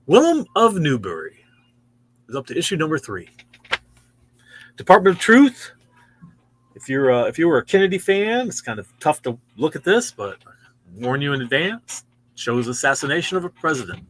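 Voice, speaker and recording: A man's voice: a little high, very animated, moderate pace, long pauses, slight background noise. A man in his sixties hosting a casual show-and-tell of new comics in a store, chatty and easily impressed. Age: 60s. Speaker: comic shop host.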